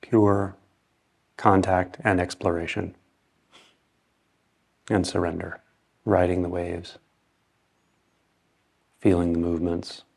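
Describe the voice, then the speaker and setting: A man leading a guided meditation, speaking calmly in short phrases with long pauses. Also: sits low, creaky.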